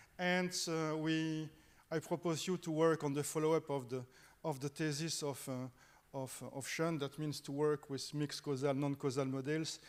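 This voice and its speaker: A man speaks at a moderate pace with a fairly high pitch and monotone, flat intonation. The recording is very clean, with a silent background. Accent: French. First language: French. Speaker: thesis supervisor professor. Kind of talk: laudatio speech at PhD ceremony. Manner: halting, many repetitions.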